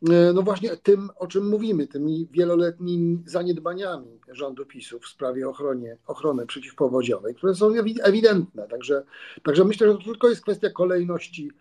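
A man gives political analysis over a video call, his voice mellow and a little high for a man. He states his view with confidence but keeps restarting sentences mid-thought. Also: moderate pace. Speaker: commentator. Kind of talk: political panel discussion. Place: room with a patterned wall mural.

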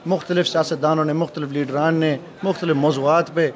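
A man, a provincial assembly member, answering interview questions outdoors near a shrine, earnest, with hesitant pauses and English words mixed in. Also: on the high side, fairly even intonation.

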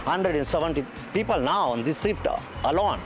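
A man's voice: fairly high pitch, lively intonation, normal speed, music in the background. A middle-aged man who works in a warehouse, chatting jovially in a casual interview. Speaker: warehouse worker. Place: large warehouse. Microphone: handheld reporter mic.

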